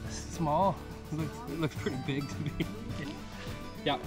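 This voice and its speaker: A man's voice: a little high, steady tone, measured pace, over loud music. A male travel vlogger talking casually and joking to himself while hiking outdoors in a rainforest, recorded on a handheld camera. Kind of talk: casual solo travel vlog narration.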